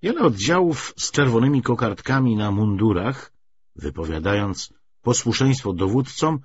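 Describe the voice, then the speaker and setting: A man reading a literary audiobook in an expressive, measured, scripted narration style. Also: medium pitch, breathy edge. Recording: dull, slightly muffled lo-fi audio.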